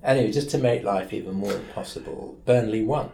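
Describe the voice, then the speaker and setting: A man's voice: lowish voice, fairly quick, vocal fry, dark tone, reverberant, a little hiss or hum. A man in his seventies with a Manchester accent, a guest lawyer telling wry, rambling anecdotes in an interview from his office. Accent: Mancunian English. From England. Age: 70s. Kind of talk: storytelling in an interview.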